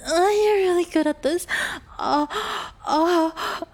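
A woman acting a sarcastic, flustered young woman in an adult audio roleplay, halting, breathy and whiny. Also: very high-pitched, darkish tone, heavily acted. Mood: flustered, aroused.

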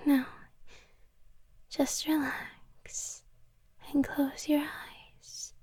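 A woman voicing a sweetly obsessive young cat girl in an ASMR roleplay, whispering softly and intimately. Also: high-pitched, steady tone, slow, no echo. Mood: doting whisper. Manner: soft whispering, close and intimate.

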